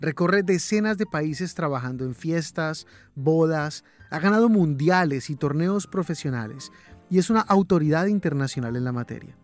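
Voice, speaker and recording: A man, hosting a podcast with measured, scripted narration. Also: on the high side, expressive, soft background music. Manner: measured, clear presenting. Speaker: podcast host.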